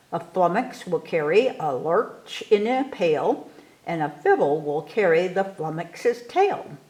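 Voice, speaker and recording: A woman reading a rhyming picture book aloud to children in an expressive, theatrical way, stretching key words for emphasis. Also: mid-range voice. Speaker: story time reader.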